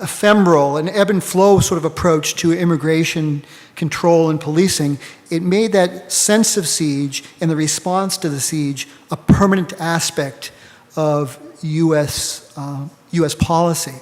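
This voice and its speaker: A man with a Boston accent speaks on a panel in a lecturing way, tagging his points with a quick "right?". His voice sits a bit high for a man, and it rings with a long reverb from a large hall. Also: a little mellow. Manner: lecturing, frequent "right?" checks. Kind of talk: academic panel talk.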